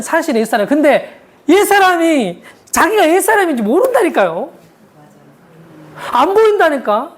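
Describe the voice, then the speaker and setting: A woman delivering a sermon in a relaxed, conversational tone. Her pitch rises and falls widely as she tells a story. She keeps asking her listeners rhetorical questions. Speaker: preacher.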